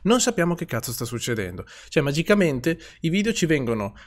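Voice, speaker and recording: A man's voice: on the high side, sing-song, fairly quick. Young guy streaming, chatty and swears a lot, voice bouncing up and down as he reads chat names. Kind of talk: casual live-stream chat.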